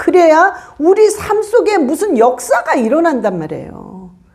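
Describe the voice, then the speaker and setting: In audible room echo, a woman speaks at an extremely high pitch with an animated tone and very wide pitch swings. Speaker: pastor. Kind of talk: sermon.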